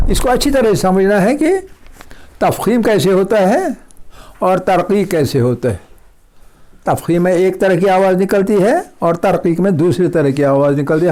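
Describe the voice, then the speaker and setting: A man teaching a recitation lesson, patiently explaining and repeating example words slowly, often checking that his listeners follow. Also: high voice, mellow. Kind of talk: tajweed lesson.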